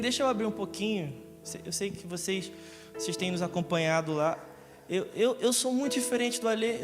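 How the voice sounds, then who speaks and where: A man from Rio, preaching a live Sunday sermon, joking and asking his congregation questions. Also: sits high. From Rio de Janeiro, Brazil. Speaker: pastor. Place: church service in a large hall. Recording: echoey church hall with music.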